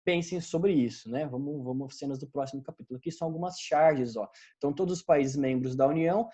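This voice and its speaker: A man's voice: fairly high pitch, quick pace, warm tone, slightly rough. A man with a Brazilian accent teaching a recorded class, talking conversationally, often correcting himself and checking in with his students. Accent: Brazilian Portuguese. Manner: conversational, many fillers and self-corrections, addresses students directly.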